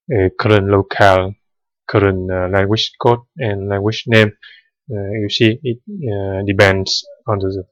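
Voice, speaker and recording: A programming tutor whose first language is Vietnamese walks through code in a screen-recorded tutorial, speaking slowly in a fairly low voice. He's hesitant and unhurried, pausing often and filling gaps with many "uh" sounds. The recording is dry and a bit dull.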